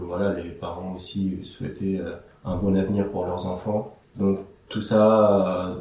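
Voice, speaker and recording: A man's voice: deep voice, warm tone, very echoey, recorded from a distance, poor audio. A young man from Iraq, whose first language is Aramaic, answering interview questions in a casual, hesitant way with many fillers and restarts. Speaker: interview guest.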